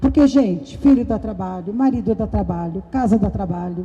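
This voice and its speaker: A woman speaks in a plain, everyday voice at a fairly high pitch. Her intonation is lively and her pace moderate. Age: 60s. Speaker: business owner. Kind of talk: panel discussion.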